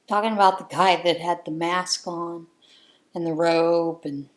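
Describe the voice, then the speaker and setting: A woman's voice: lowish voice, steady tone, unhurried. A woman hosting a crafting channel, sharing her views in a casual chat from home in an earnest, heartfelt way.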